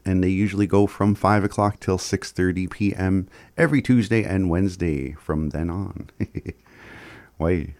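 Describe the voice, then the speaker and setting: A man's voice: deep voice, a little mellow, dry recording. A man with an Indigenous Canadian reservation accent reading community announcements in an informal way, with the odd stumble.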